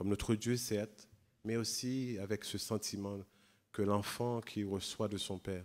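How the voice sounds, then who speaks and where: Intonation stays monotone and flat. The man's pitch is fairly low. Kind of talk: worship introduction to congregation. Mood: warm, devotional. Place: church. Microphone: handheld.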